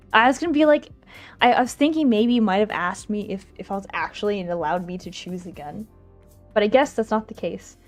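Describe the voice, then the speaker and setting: A woman streamer reading a visual novel aloud on a livestream, expressive and giggly, stumbling over lines and making asides to chat. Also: medium pitch. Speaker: streamer, VTuber. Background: game music.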